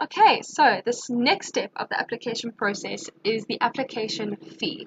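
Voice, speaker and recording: With lively intonation and a fairly high pitch, a woman speaks in an ordinary speaking voice. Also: moderate pace. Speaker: youth organisation representative. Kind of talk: webinar presentation.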